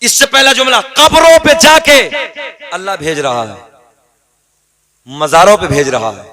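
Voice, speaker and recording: A man preaching a religious sermon, building to loud impassioned peaks and urging the crowd to answer him. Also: high-pitched, expressive, a little slow.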